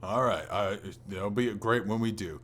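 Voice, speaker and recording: A man's voice: lowish voice, measured pace, a bit bright, slight background noise. A man co-hosting a podcast, chatting casually and enthusiastically about video games with some swearing. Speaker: podcast co-host.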